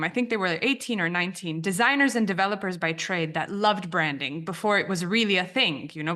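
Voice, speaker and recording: A woman in her thirties, raised in the US after a childhood in Romania, whose first language is Romanian. Her voice sits a little low, and she talks reflectively, circling back and rephrasing as she goes. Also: bright, forceful tone. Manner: thoughtful, repeats and restarts phrases. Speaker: guest, branding editor. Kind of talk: reflective podcast interview.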